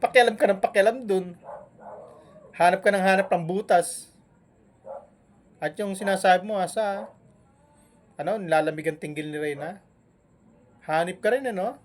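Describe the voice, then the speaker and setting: A man scolding and mocking a rival on a live stream, with taunting jabs and long humming pauses between them. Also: sits high, slight background noise. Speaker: vlogger.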